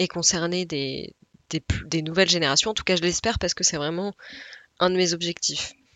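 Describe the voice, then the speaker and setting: A woman with a fairly low pitch keeps her intonation fairly even. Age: 20s. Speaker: podcast host. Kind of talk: solo monologue.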